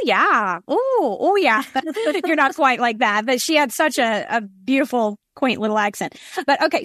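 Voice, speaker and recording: A woman hosting a faith-based parenting podcast, bubbly and quick to laugh. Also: a little high, a bit bright, dry recording, studio quality. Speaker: podcast host. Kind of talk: conversational interview.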